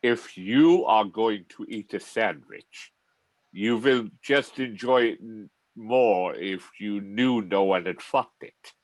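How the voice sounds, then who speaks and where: A man playing an earnest, measured vampire with a deadpan manner in a table read of a film script. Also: fairly low pitch, no echo, rough recording.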